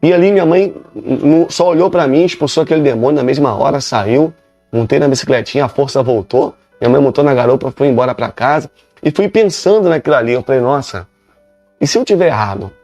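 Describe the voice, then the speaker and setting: Gravelly, dry-voiced pastor giving an emphatic personal testimony; faint music underneath. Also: male voice, mid-range voice, fast talker, mellow, no echo. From Rio de Janeiro, Brazil. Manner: emphatic storytelling with repetitions.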